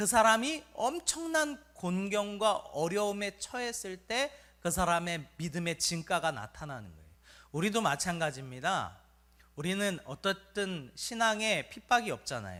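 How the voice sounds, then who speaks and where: In a raised, projected voice with a bright, sharp tone, the speaker talks at a fairly slow pace with an animated tone, very wide pitch swings and big swings in loudness. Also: man, high pitch for a man. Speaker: pastor. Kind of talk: sermon.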